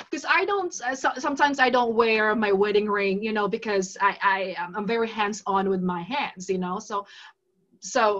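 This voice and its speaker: Moderate pace from a woman with a Filipino accent, fairly high pitch and ordinary pitch variation. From Philippines. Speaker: guest, wife and mother. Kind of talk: casual chat.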